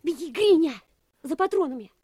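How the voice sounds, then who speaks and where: A woman's voice: very high-pitched, animated, moderate pace, warm tone, dry recording, studio quality. A woman playing a fearless, devoted young girl in a wartime audio drama. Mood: worried, commanding.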